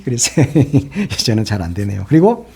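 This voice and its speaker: A man's voice: on the low side, huge pitch swings, normal speed, vocal fry, mellow, husky. A man giving solo political commentary, opinionated and emphatic, often asking rhetorical questions.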